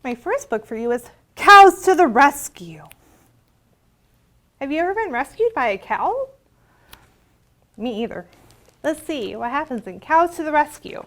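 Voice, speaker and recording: A woman librarian leading an interactive storytime for young children, expressive and asking simple questions. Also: sits high, a little slow, pauses often.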